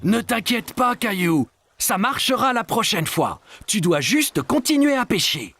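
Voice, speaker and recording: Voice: mid-range voice, very animated, unhurried, a bit bright, dry recording, soft background music, heavily acted. An actor voicing a patient, kindly father in a French children's cartoon, explaining things simply and reassuringly.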